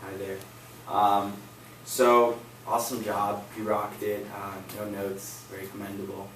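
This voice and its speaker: A man's voice: on the low side, monotone, a little slow, fairly bright tone, slight background noise. A young man, a student, giving upbeat, hesitant feedback on a classmate's speech. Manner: hesitant, upbeat, lots of ums. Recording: echoey room from a distance.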